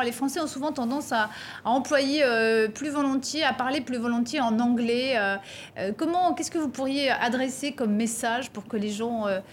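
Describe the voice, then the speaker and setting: Higher-pitched woman TV interviewer. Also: a little hiss or hum. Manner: hesitant, frequent fillers. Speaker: TV interviewer and host. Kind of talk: broadcast interview questions.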